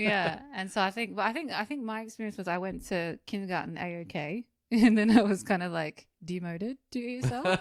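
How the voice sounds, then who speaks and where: A woman with an Australian accent talks at a fairly quick pace with hardly any pauses, her medium-pitched voice showing lively intonation. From Sydney, Australia. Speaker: podcast guest. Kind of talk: casual chat.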